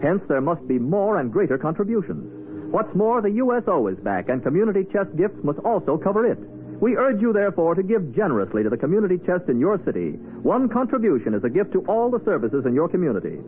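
High-pitched, animated 1940s radio announcer, male. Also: quick pace. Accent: American. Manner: polished, formal. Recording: tinny, hissy 1940s radio recording.

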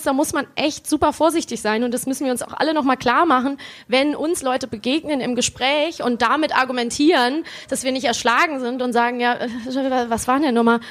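Sarcastic young woman, higher voice. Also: fairly bright tone. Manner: sarcastic, ironic asides. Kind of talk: casual chat.

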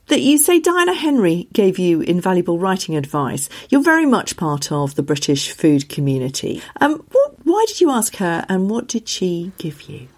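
A woman's voice: on the low side, very animated, moderate pace, few pauses, darkish tone. A woman hosting a podcast, asking curious, conversational questions. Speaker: podcast host. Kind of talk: interviewing and podcast outro.

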